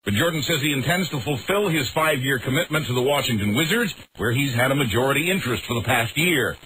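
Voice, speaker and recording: A man's voice: medium pitch, lively intonation, fast, bright, forceful tone. A man reading the news on a radio show with wry, punchy delivery and some casual banter. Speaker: radio newsreader. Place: radio studio. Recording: noisy taped radio broadcast.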